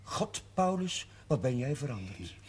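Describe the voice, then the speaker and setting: An actor playing an earnest, overworked Catholic chaplain, defensive and questioning, in a 1970s Dutch television drama. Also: male voice, mid-range voice, sing-song, measured pace, breathy edge, full character voice. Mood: hurt, agitated. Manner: agitated, questioning. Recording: noisy 1970s television soundtrack, clicks.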